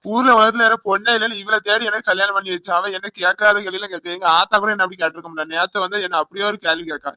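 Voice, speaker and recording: A man's voice: sits high, steady tone, sharp tone, dry recording. Man voicing an angry quarrelsome young husband. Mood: resentful. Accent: Tirunelveli Tamil. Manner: accusing, rapid, rustic.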